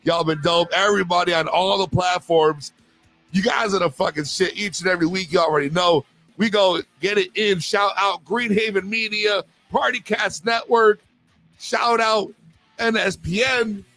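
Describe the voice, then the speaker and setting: A man hosting a podcast, hoarse and hyped, loudly signing off the show with slangy shout-outs. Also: high voice, fairly even intonation, normal speed, faint music behind. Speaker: podcast host.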